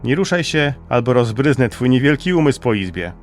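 Man playing a silky, cynical highwayman. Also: sing-song, a little fast, faint music behind, close to an everyday voice. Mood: threatening, silky. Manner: mocking, smooth menace. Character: cynical, silky French highwayman, cold-blooded killer. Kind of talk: dramatized audiobook acting.

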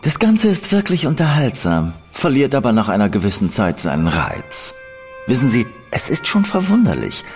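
A deep-voiced, urbane gentleman schemer. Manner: urbane, smooth, ironic, condescending. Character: shrewd, cool male gentleman spymaster, coldly menacing. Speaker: gentleman in an audio drama. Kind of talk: studio audio drama acting.

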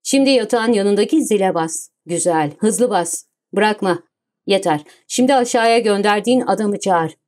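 A woman reading the lines of a suave, commanding gentleman thief in an audiobook, cool and self-assured. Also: mid-range voice, expressive, normal speed, lightly acted. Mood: calm, commanding.

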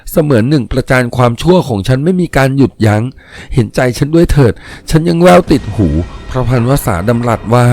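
A sorrowful spirit of a young woman from old times, acted out by a male storyteller. She laments slowly and plaintively, as one long wronged, in a storybook telling with music behind. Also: mid-range voice, warm tone, close to an everyday voice. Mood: grieving, plaintive. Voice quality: faint, trembling voice.

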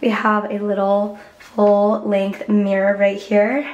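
Hoarse bubbly young woman vlogging. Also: medium pitch, completely flat delivery, slow, a little mellow, dull audio, a little hiss or hum. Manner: bubbly, chatty, addresses viewers as besties. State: hoarse, voice nearly gone. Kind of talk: casual vlog chat to camera. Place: hotel room, indoors. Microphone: camera held at arm's length.

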